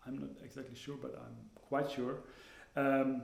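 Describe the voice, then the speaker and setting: A man with a German accent speaks at a fairly slow pace in a fairly high pitch. The recording carries audible room echo and noticeable background noise. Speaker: guitar teacher. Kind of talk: tutorial. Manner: halting.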